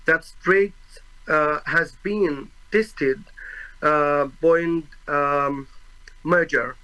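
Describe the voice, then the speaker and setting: A young man from Gaza with an Arabic accent testifies before a tribunal in a slightly high, bright, forward voice. He speaks very slowly and solemnly, pausing to search for words and restarting his phrases. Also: poor audio. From Gaza, Palestine. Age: 20s. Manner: halting, searching for words, with frequent restarts and fillers; solemn and earnest. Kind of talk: formal personal testimony.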